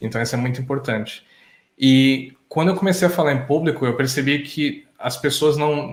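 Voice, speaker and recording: On a very clean recording with a silent background, a man with a somewhat breathy, medium-pitched voice speaks at a moderate pace with fairly even intonation. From Brazil. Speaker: tech solutions architect and conference speaker. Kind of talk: interview. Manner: halting.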